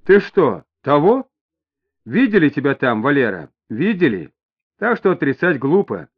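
A man voicing a calm, firm police inspector questioning a suspect, in a steady, pressing way, on a dull lo-fi recording. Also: mid-range voice, moderate pace, slightly rough. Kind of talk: audiobook character voice. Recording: dull lo-fi audio.

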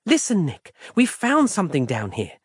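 A man's voice: high-pitched, huge pitch swings, normal speed, husky, no room sound, clean studio sound, pitched above the performer's own voice, exaggerated voice. A man voicing a fussy, overly polite young woman who chatters pedantically, as an audiobook character. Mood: chatty. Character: prim, fussy young woman on a walkie-talkie.

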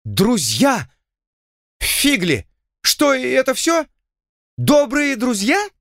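A man's voice: very high voice, wildly swooping pitch, slow, fairly bright tone, dry recording, studio quality, pitched above the performer's own voice, full character voice. A man voicing a smug, lecherous aristocratic envoy who talks in a languid, self-satisfied and pompous way. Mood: whining.

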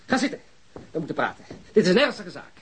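Casting: principled, blunt detective for crime radio play, probing and deliberate, slightly rough-edged voice. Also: male voice, sits high, sing-song, exaggerated voice. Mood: indignant. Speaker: actor in a radio drama. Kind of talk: Dutch crime audio drama acting.

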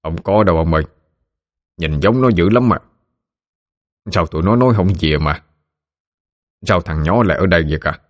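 A man's voice: sits low, animated, normal speed, pauses often. A man voicing an affectionate elderly grandfather's ghost in an audio ghost story. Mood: puzzled. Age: older.

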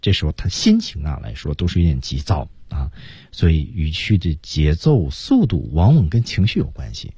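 A man teaching English on a radio lesson, explaining phrasing and linking of sounds in a husky voice. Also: sing-song, moderate pace, warm tone, no echo, clean studio sound. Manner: explains phrasing, then acts out film lines in a high voice. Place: radio studio.

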